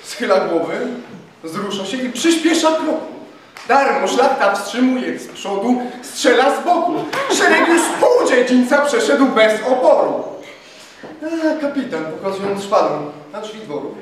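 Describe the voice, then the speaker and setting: A man's voice: extremely high pitch, very animated, unhurried, a crowd in the background. Man declaiming epic verse theatrically. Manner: theatrical, with sudden swells and drops in loudness. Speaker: actor. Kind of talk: dramatic recitation of an epic poem. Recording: echoey room, mic far off.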